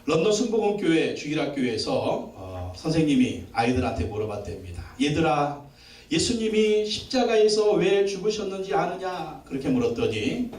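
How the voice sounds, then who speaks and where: A man's voice: fairly high pitch, big pitch swings, normal speed, darkish tone, a little hiss or hum. A man preaching a Sunday sermon as pastor, building up to emphatic repeated declarations. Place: church sanctuary. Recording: echoey church hall, voice from a distant mic.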